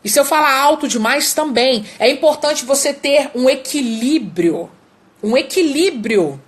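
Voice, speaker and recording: Emphatic high-voiced Brazilian woman coach. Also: expressive, a little slow. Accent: Brazilian Portuguese. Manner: emphatic, repeats key words, demonstrates vocal exercises. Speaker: public speaking coach. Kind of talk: live-streamed speaking lesson.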